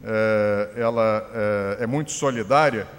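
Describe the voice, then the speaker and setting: Hesitant Brazilian man in a reverberant hall. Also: on the low side. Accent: Brazilian Portuguese. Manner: hesitant, many filler pauses. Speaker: panel speaker. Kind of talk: conference presentation. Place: large conference hall.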